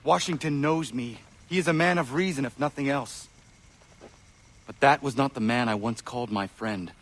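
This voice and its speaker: An actor playing an earnest, troubled young Native American warrior son in a video game, speaking formally and with measured words. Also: male voice, medium pitch, fairly bright tone, lightly acted. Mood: confused, upset. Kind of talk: video game cutscene acting.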